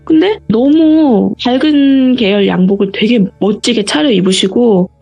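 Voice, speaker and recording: A woman's voice: a little high, vocal fry, a little mellow, slightly rough. A woman guest in an interview, retelling a personal story earnestly and vividly.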